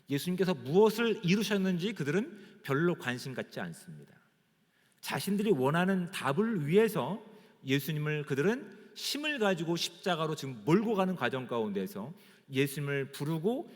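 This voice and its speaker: A male pastor preaching emphatically, tossing rhetorical questions to his congregation. His fairly high voice rises and falls in lively swings. The sound carries a long reverb, as if captured across a church sanctuary. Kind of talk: sermon.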